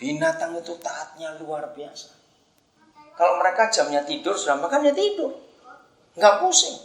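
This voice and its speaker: A man with a fairly high voice preaches at normal speed in an echoey room. He tells stories with animation and pushes the congregation to respond.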